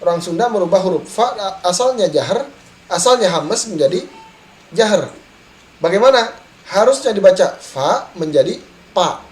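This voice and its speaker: A man's voice: high voice, lively intonation, moderate pace, long pauses. A man teaching a tajwid lesson, modelling letter sounds and tagging his points with a checking "ya". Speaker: Quran recitation teacher.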